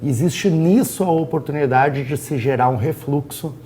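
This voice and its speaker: A man's voice: a little high, normal speed, warm tone, a little hiss or hum. A man speaking as a tourism director guest on a studio talk show, fluently listing regional events and attractions. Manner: promotional, fluent, listing facts.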